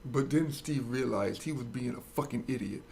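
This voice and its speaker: A male host narrates a mock-dramatic comic story, crude and sarcastic, milking every beat. His mid-pitched voice has a gravelly rasp, with faint hiss behind it. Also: moderate pace, darkish tone.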